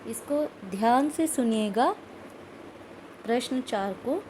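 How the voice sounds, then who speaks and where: Woman schoolteacher, slow and patient, fairly high voice, repeats sounds for pupils over faint hiss. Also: darkish tone, poor audio. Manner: explains slowly, repeating words and sounds aloud; asks questions of pupils, adds "ठीक है" often. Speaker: school Hindi teacher. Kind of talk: recorded video lesson.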